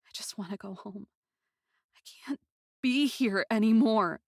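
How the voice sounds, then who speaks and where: A woman's voice: medium pitch, measured pace, gravelly, darkish tone, no room sound, clean studio sound. A woman playing a grieving, passionate young captive princess who tells her own story in an intense, emotive, dramatic first-person style. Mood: guilty, tearful.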